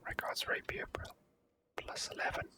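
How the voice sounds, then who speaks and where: A video game player and host whispers slow, gentle ASMR commentary while playing. The delivery is hushed, gentle, and unhurried.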